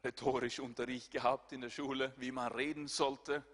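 A male pastor, delivering a sermon in a bright, forceful voice. He moves between loud, soaring appeals and hushed, lower asides. The voice carries a long reverb, as if it fills a large hall. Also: flat delivery, moderate pace. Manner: swings between loud high-pitched preaching and quiet low asides.

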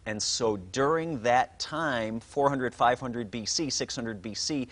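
A man's voice: medium pitch, takes it slowly, fairly bright tone. A man with an Israeli accent patiently explaining Jewish reading traditions in a conversation. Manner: patient, explains terms with scripture references.

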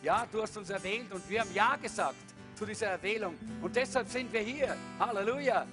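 High-pitched male pastor, fervent sermon and prayer, quiet guitar underneath. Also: a little fast. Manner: fervent, with repeated hallelujahs.

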